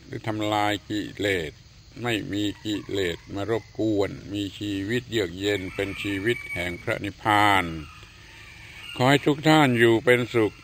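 Older Thai monk preaching slowly. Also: male voice, on the low side, a bit bright, a little hiss or hum. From Thailand. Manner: slow, measured preaching with hesitant fillers. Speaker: Buddhist monk giving a dharma talk. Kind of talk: sermon.

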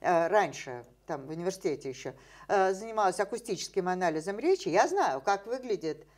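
A woman's voice: lowish voice, brisk. Older woman explaining science animatedly. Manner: animated, gesturing, many fillers and rhetorical questions. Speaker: scientist guest. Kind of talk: explanatory interview talk. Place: dim indoor room with bookshelves.

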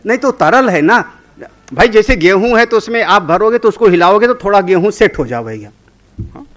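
A man's voice: high voice, lively intonation, moderate pace, a bit bright. A man, a Hindu spiritual teacher, giving a conversational sermon on scripture. He tells homely stories and often checks in with his listeners.

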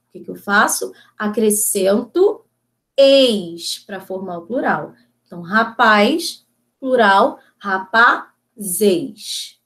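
A woman teacher gives a video lesson, explaining things step by step at a slow, patient pace and frequently checking that her students are keeping up. Her voice is on the high side and a bit bright.

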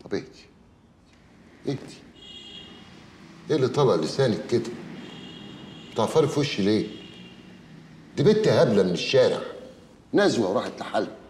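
An actor playing a cynical, womanizing Egyptian husband who taunts his wife and then tries to calm her down. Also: mid-range voice, fairly quick, long pauses, in a large hall, slight background noise, lightly acted. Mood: placating. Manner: taunting, brazen, then placating. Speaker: unfaithful husband. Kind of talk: film drama acting.

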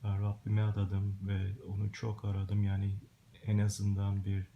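A middle-aged man from Germany giving a personal religious testimony in halting, broken Turkish, searching for words like a long-time emigrant. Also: on the low side, monotone, vocal fry, highs cut off. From Germany, born and raised. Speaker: Christian testimony video maker. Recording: hissy home recording with clicks.

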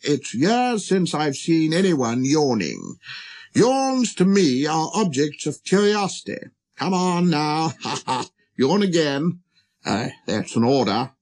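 A man's voice: on the high side, very animated, slow, darkish tone, pitched above the performer's own voice. A man voicing a pompous but good-natured absolute monarch in a storybook, hemming and spluttering as he commands. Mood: commanding.

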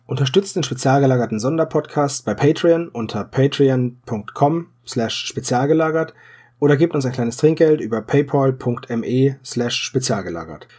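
A male podcast host talks in a conversational register. His voice sits at a middling pitch and has a husky, slightly rough edge. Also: normal speed, darkish tone. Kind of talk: casual podcast chat and announcements.

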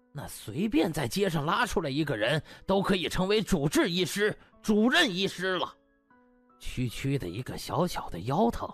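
A man voicing a stern, disappointed old hospital director who scolds with contempt and drawn-out rhetorical questions in an audiobook. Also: a little high, fairly bright tone, breathy edge, no room sound, exaggerated voice. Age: older.

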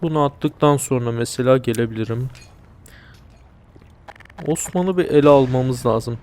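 A man's voice: mid-range voice, normal speed, darkish tone, a little hiss or hum. A young man casually commenting on a video game, joking and talking back to the characters and the viewers. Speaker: let's play commentator.

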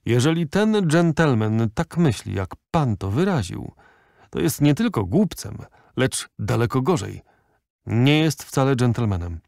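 A man reading an audiobook, voicing a proud, disdainful old lady who speaks stiffly and slowly. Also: medium pitch, very animated, creaky, darkish tone, no room sound, studio quality. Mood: haughty.

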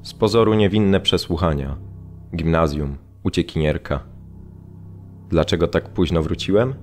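A man's voice: low-pitched, unhurried. An actor playing a former student held as a political prisoner, recounting his arrest in a dramatized audio testimony. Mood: sombre recounting. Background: music.

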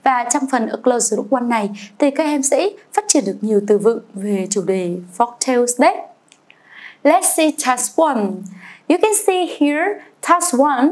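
A woman's voice: high voice, darkish tone. A young woman with a Vietnamese accent teaching English vocabulary, saying each word twice and then explaining it. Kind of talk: bilingual vocabulary lesson.

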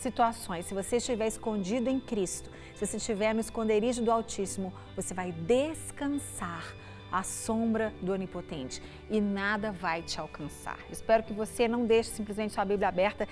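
A woman's voice: mid-range voice, moderate pace, a little mellow, soft background music. A middle-aged woman pastor with a Brazilian Portuguese accent gives a short, conversational devotional talk in a TV studio. She speaks to the viewer through a lapel mic. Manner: conversational, often asks the viewer "né?". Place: TV studio set.

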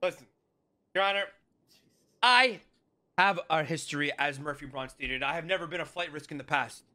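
A man roleplaying a defendant in a put-on New York Italian accent. His voice is bright and a touch high, pleading in a mock-formal way and slipping into quick asides. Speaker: roleplayer in a courtroom scene.

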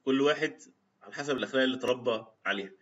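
Man, Egyptian Arabic accent, religious storytelling talk, rapid delivery, classical Arabic quotes, slightly muffled lo-fi audio. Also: mid-range voice, a bit bright. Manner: retells old anecdotes, reciting quotes in formal classical Arabic. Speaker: religious speaker. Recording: slightly dull lo-fi sound.

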